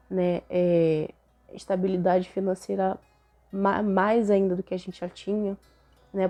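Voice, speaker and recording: A young Brazilian woman with a Brazilian Portuguese accent hosts her faith channel, chatting casually to camera and often ending sentences with tag questions. Her voice is fairly low and dark in tone, hoarse and a bit nasal from a cold.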